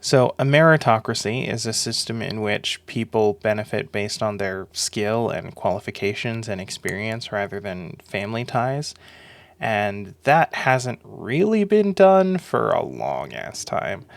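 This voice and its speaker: A young man with a sore throat delivers a sarcastic monologue, swearing now and then. His voice sits low and rasps with vocal fry. The sound is dry and close, with no room echo. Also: expressive, measured pace. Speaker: video essay host.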